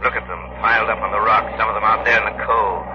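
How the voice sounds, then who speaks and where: An actor playing a calm, commanding crime-fighting detective in a 1930s radio drama. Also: male voice, fairly low pitch, natural voice. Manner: authoritative, measured. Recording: hissy muffled 1930s radio broadcast.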